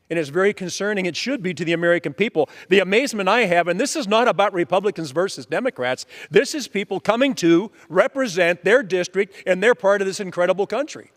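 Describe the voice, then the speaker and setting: A man with a notably high voice delivers an earnest floor speech at a podium microphone in a large legislative chamber. He presses his point insistently and slips into quoted back-and-forth with constituents. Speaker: congressman.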